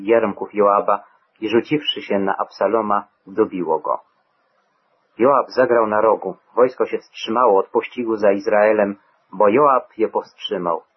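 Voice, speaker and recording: A man giving a measured, solemn scripted reading of scripture. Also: lowish voice, slightly rough, lo-fi sound. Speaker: Bible reader.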